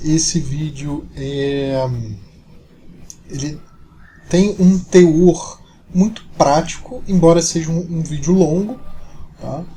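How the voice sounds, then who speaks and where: In a room with audible echo and noticeable background noise, a man with a high pitch and ordinary pitch variation talks at a very slow pace, with long, frequent pauses and big swings in loudness. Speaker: math teacher. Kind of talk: lecture. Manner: casual.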